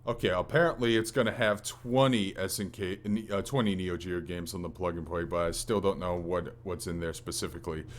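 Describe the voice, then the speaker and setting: A podcast host with a deep voice chats casually about games, speaking a little fast with fairly even intonation and barely pausing. He's hesitant and rambling, often correcting himself partway through sentences.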